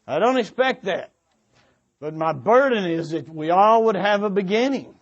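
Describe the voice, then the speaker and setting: A man preaching an informal, earnest sermon of exhortation, speaking haltingly and often restating his phrases. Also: sits high, lively intonation, dull audio. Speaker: preacher addressing young adults at a church gathering.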